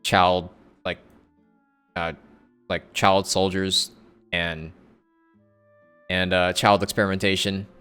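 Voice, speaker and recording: In a deep, smooth voice with a level yet sharp tone, a male streamer talks slowly to his viewers, leaving long pauses. Background music plays while this content creator rambles casually, thinking out loud and fixing his own statements.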